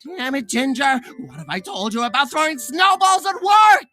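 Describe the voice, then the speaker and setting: A man voicing a small, irritable Christmas elf worker, exasperated and animated, in a cartoon style. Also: extremely high pitch, moderate pace, faint music behind, full character voice. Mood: angry scolding. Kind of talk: cartoon character demo.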